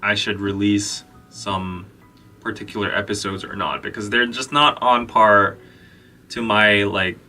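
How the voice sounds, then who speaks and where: A man's voice: lowish voice, fairly even intonation, unhurried, pushed and bright, distant mic, faint music behind. A young man from Korea hosting a live podcast stream, chatting casually with lots of fillers and restarts. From South Korea. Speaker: podcast host. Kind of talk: casual live-stream chat and news reading.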